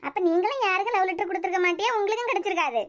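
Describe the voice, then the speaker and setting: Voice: very high voice, very fast, a bit bright. A performer voicing a playful, teasing young wife in a cartoon, chatty and wheedling. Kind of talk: cartoon voice acting.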